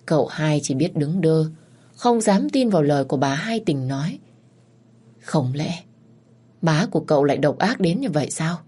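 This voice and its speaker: Low, husky female storyteller. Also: dark tone. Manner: measured, first-person storytelling. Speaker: narrator. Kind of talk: storytelling narration.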